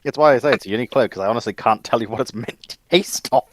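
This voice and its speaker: A man on a discussion panel explaining things casually in a measured, matter-of-fact way. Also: medium pitch, slight background noise.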